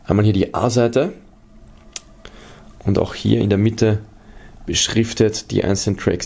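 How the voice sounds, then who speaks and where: A man presents an unboxing in a fairly low voice with plenty of vocal fry. He talks casually to viewers, describing things methodically and in order. A faint layer of ambient noise sits behind him. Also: darkish tone. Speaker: unboxing video host. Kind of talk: casual product showcase commentary to viewers.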